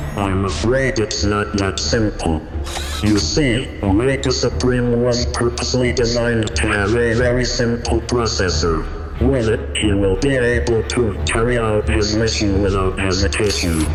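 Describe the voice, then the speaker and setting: A man's cartoonish character voice, fairly low in pitch and at a moderate pace, over loud background noise. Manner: calm, explanatory.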